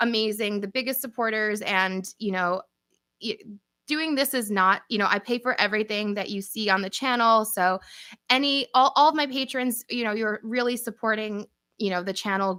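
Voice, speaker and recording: A woman with a New York accent, fairly high pitch and a bright, sharp tone, at a moderate pace with ordinary pitch variation, on a very clean recording with a silent background. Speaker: travel vlogger. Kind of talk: live stream Q&A. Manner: halting.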